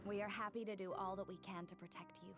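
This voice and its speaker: A woman's voice: mid-range voice, steady tone, fast, close to an everyday voice. An actress playing a gracious, earnest young noblewoman in a fantasy game, speaking politely and formally. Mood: gracious, moved. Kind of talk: scripted fantasy game voice acting. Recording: loud game music behind the voice.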